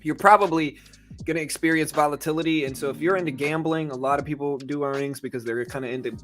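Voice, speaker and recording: A man's voice: a little high, fast talker, a bit bright, soft background music. A man hosting a livestream, chatting casually and informally, speaking directly to his viewers. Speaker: livestream host.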